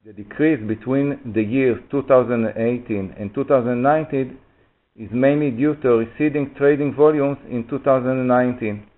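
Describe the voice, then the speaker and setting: A man with a mid-pitched voice reads a financial presentation in a formal, orderly way. His voice comes through a narrow, tinny phone line. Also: normal speed. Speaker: finance executive presenting results. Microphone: conference call phone line.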